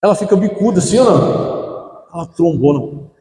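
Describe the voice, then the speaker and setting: The voice of this young Brazilian pastor sits high, with a dark tone, lively intonation and normal speed. Preaching in a church hall, he calls out questions and asks the congregation to fill in words, call-and-response fashion, and the recording is echoey.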